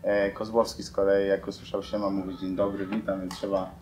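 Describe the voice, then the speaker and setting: A man with a slightly low voice hosts a relaxed sit-down interview, tossing out teasing questions. Faint ambience hums in the lounge behind him. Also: brisk, slight background noise. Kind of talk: casual sports interview. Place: lounge in a large building.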